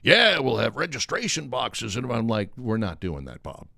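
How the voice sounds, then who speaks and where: A creaky, medium-pitched voice belongs to an older talk-show storyteller who spins a humorous tale at a moderate pace, wryly performing each character's lines with animation. The studio-quality recording has no echo.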